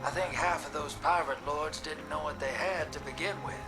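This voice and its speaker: A man's voice: fairly high pitch, fairly even intonation, normal speed, close to an everyday voice. A man playing a roguish, folksy drifter in a video game, wisecracking and teasing in a laid-back drawl. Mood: sly. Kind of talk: video game dialogue acting. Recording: music behind the voice.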